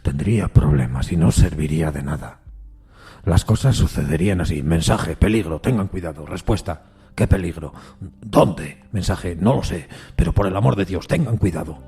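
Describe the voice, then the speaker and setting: A man playing an anguished railway signalman haunted by a spectre, earnest, deferential and hushed, in a dramatic audio story. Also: low voice, animated, moderate pace, slightly rough, soft background music, exaggerated voice. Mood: anguished, fearful. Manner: troubled, pensive, hushed.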